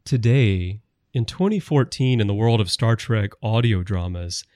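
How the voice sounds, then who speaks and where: A man hosts a casual podcast conversation in a somewhat low voice. He talks in a loose, rambling way and sets up long, winding questions. The recording is dry and close, with no room sound. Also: lively intonation, a little slow, a little mellow, no room sound. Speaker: podcast host.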